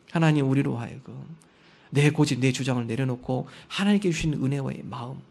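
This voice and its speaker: A man pastor preaching a Sunday sermon, telling stories and acting out quotes, and rising to loud emphasis on key lines. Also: a little high. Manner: storytelling with acted quotes.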